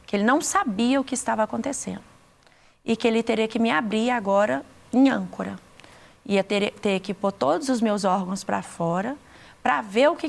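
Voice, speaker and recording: A middle-aged woman with a Brazilian Portuguese accent, telling her faith testimony to an interviewer, earnest and halting, often repeating words. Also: fairly high pitch, vocal fry. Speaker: interview guest giving testimony.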